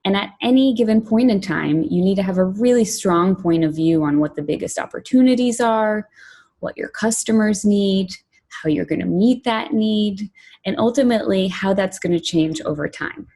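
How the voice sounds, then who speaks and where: A Polish-born woman raised in New York City, working as a product director, gives a prepared conference talk. Her medium-pitched, mellow voice stays measured and clear as she moves through lists and stresses key points.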